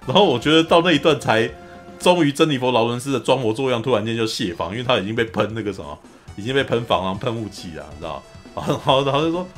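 A man chats through a film plot at a rapid clip, as the host of a casual podcast. His voice sits at an everyday middle pitch. He tells it with lively animation, often acting out the lines. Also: faint music behind. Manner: animated storyteller, often acts out quotes. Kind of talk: casual film recap chat.

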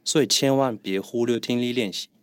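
A man co-hosting a podcast as a German teacher, calmly and methodically explaining pronunciation. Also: medium pitch, brisk, clean tone, no echo. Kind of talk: podcast language lesson.

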